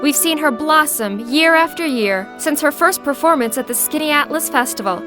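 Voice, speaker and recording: A woman voice-over artist reading scripted narration in a polished, articulate way with deliberate phrasing. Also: high-pitched, expressive, music in the background.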